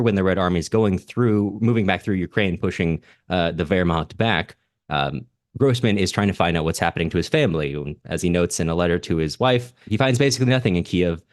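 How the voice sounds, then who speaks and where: A man's voice: low voice, no room sound, studio quality. A man hosting a podcast, explaining background to literature in an unscripted, self-correcting way. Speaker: podcast host.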